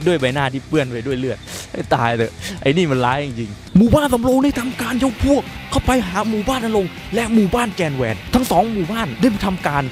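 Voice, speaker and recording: A man's voice: high-pitched, very animated, fast talker, hardly any pauses, over music. A man telling a dramatic first-person story in colloquial speech, emphatic and suspenseful.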